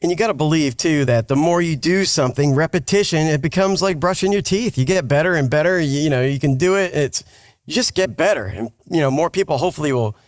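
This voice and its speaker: A man's voice: fairly high pitch, no room sound, studio quality. A man hosting a podcast in a casual, informal and encouraging way. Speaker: podcast host. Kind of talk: casual chat.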